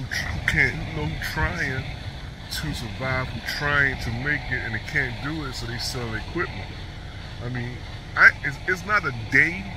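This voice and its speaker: A man in his fifties, a truck driver, talking unscripted into a phone held at arm's length as he walks a parking lot at night, rambling and repeating words. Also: medium pitch. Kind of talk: unscripted walking vlog. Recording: phone audio with outdoor traffic noise.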